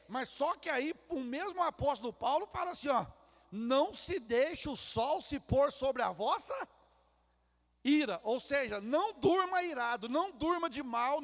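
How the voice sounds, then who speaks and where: A man's voice: extremely high pitch, fairly bright tone. A man preaching a sermon as pastor in a church, with a Brazilian Portuguese accent, acting out family quarrels in little character voices. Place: church sanctuary. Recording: reverberant church hall.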